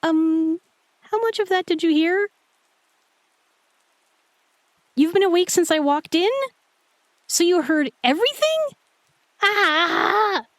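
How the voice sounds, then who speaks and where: Shy, tender young girlfriend woman acting, soft breathy near-whisper, dry close sound, gentle romantic ASMR audio drama. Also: very high voice, no echo. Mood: flustered, embarrassed. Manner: gentle, hesitant, intimate address to one listener. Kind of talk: romantic sleep-aid audio roleplay, intimate ASMR.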